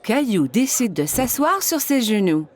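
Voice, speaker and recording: A woman narrating a scripted children's cartoon story in simple, clear phrases. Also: a little high, big pitch swings, measured pace. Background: background music.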